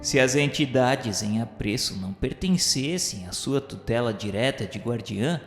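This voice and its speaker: A man reading the narration of a radio serial in a solemn, measured way, with faint music behind him. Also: medium pitch, lively intonation. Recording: reverberant room with faint music. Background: faint background music.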